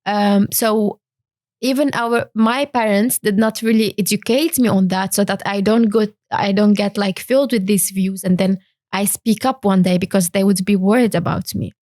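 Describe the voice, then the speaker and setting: Young woman from Syria, interview guest, halting delivery, dry sound. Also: medium pitch, fairly even intonation, a little mellow, no echo. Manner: hesitant, many fillers and restarts. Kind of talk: interview talk.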